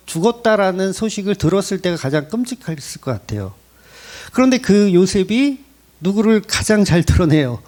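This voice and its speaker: A man preaching a sermon as a pastor, speaking conversationally and asking his congregation questions. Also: high voice. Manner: lively, rising emphasis. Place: church.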